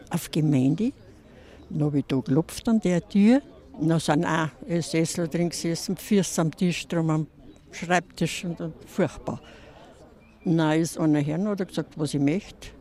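A woman's voice: fairly low pitch, warm tone. An older woman recounting her memories plainly in an interview. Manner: plain storytelling, dialect. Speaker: eyewitness. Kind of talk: interview testimony.

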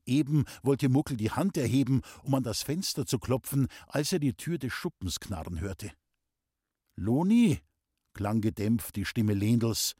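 A man reads a classic novel aloud, telling it in an even, measured way. His voice is husky, at a middle pitch. The recording is dry and close. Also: no echo. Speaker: audiobook reader. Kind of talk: scripted narration of a classic novel.

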